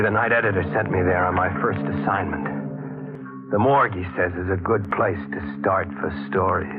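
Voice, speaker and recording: An uneasy young newspaperman in a vintage radio thriller, played by a male actor. He tells his tale in a low, level, hard-boiled way, earnest and insistent. The sound is muffled, with music underneath. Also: lightly acted. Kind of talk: 1940s radio drama first-person narration.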